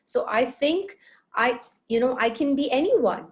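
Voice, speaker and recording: A woman's voice: high-pitched, very animated, measured pace. A woman from the United Arab Emirates hosting a conversational online interview, chatty and affirming toward her guest. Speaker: interview show host.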